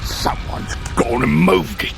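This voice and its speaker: A man voicing a grumbling, indignant workaday underworld employee in an audio drama, with a creaky voice. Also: slow, over music, close to an everyday voice.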